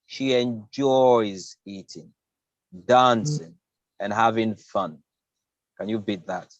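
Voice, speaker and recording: A man hosts an online club meeting in an even middle voice. The sound is dry and slightly dull, like a video call. He introduces each speaker with light remarks. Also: mid-range voice, dry recording. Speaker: toastmaster of the day.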